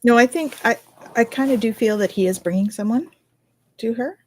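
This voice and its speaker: A woman's voice: fairly high pitch, normal speed, darkish tone. Woman doing card readings on a podcast, chatty and reassuring, says okay a lot, faint hiss behind. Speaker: spiritual medium and card reader. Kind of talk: casual podcast chat.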